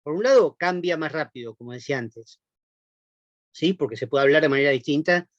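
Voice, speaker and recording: A man's voice: on the high side, animated, brisk, no room sound. Dry lo-fi lecture, patient man teaching. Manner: explains patiently, checks in with frequent tag questions and "eh" fillers. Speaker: university lecturer. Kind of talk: recorded class lecture. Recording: dull lo-fi, dry recording.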